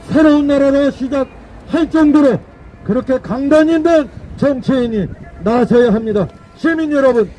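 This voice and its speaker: Speaking with an extremely high but mellow voice, a man delivers an emphatic street speech at an outdoor political rally and repeats phrases for effect. The recording is low quality, with slight background noise.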